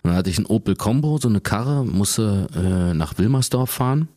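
A man in his forties with an extremely deep bass voice, telling stories casually as the guest in an interview. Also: animated, normal speed, mellow, no echo, clean studio sound. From Germany.

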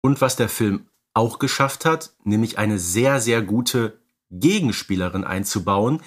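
A man's voice: on the low side, a little slow. A young adult man co-hosting a podcast, casually explaining films and often checking for agreement with little tag questions. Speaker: podcast co-host. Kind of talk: casual film discussion.

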